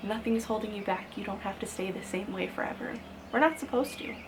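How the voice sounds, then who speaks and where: A woman's voice: medium pitch, quick pace, noisy background. A woman of thirty talking to camera in a casual sit-down vlog, chatty and upbeat, full of "like" fillers. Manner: chatty, frequent "like" fillers, upbeat with light laughs. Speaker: lifestyle vlogger.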